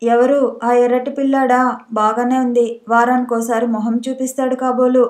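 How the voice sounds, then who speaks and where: A woman's voice: on the high side, flat delivery, moderate pace, darkish tone, natural voice. A woman reading the lines of a fussing old grandmother, coaxing and chiding in turn. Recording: echoey room.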